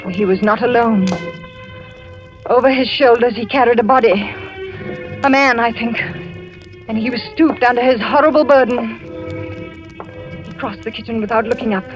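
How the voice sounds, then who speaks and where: A young actress playing a frightened wife who narrates her story in a tense, hushed way, in 1940s radio acting. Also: fairly high pitch, close to an everyday voice. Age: young adult. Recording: lo-fi vintage radio with music.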